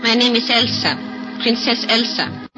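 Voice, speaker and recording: An actress playing a frightened young princess, pleading desperately, in 1940s radio drama style. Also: female voice, on the high side, unhurried, over music, lightly acted. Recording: dull lo-fi old radio recording.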